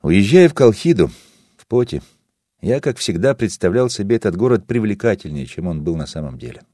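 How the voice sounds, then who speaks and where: A man reading a memoir audiobook in a measured, expressive manner. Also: fairly low pitch, dry recording, studio quality. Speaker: audiobook reader. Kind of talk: scripted literary narration.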